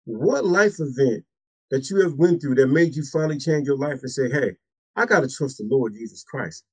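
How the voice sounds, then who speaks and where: Husky-voiced man hosting a faith interview. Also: mid-range voice, lively intonation, normal speed, dry recording, low-quality recording. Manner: repeats amens and greetings, preacher's cadence. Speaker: minister and interview host.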